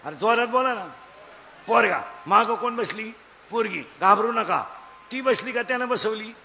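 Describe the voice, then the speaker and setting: A man giving a comic devotional kirtan sermon, scolding and bantering with the crowd and shouting at the peaks. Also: high-pitched, moderate pace, creaky. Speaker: kirtan preacher. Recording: echoey hall with faint background noise.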